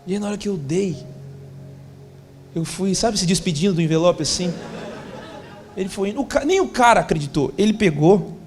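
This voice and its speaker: A high-voiced man. He tells stories with animation and slips into casual slang while voicing each side of a conversation. Soft music plays faintly behind him. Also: moderate pace, long pauses. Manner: animated storyteller, acts out dialogue, slangy. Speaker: pastor. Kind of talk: sermon storytelling.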